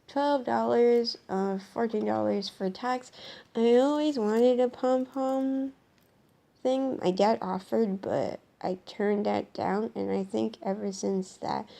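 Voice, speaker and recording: Young Canadian woman vlogging at home into a camera, hoarse, mellow-toned, rambling. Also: mid-range voice. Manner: rambling, lots of ums and restarts. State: hoarse, voice worn from shouting. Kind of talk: casual show-and-tell vlog.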